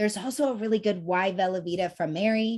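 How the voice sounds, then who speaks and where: Against a quiet background, a woman talks at a fairly quick pace with a fairly high pitch. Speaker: network marketing team leader. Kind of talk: training webinar. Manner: fast.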